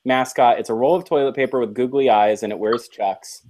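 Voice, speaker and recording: A man's voice: mid-range voice, steady tone, a little fast, darkish tone. A man on a casual live podcast, talking earnestly about his experience and teasing the others. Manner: earnest, reflective, teasing asides.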